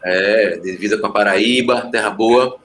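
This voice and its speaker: A man's voice: fairly low pitch, fairly even intonation, a little slow, fairly bright tone. A man with a northeastern Brazilian accent from Pernambuco, a musician guest chatting casually and searching for his words. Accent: Pernambuco northeastern Brazilian Portuguese. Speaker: composer, musician and producer guest. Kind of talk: casual interview chat. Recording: faint background noise.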